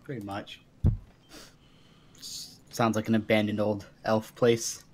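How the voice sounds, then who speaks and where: A man's voice: lowish voice, level tone, slow, poor audio. A man playing a tabletop roleplay game, chatting and bantering casually.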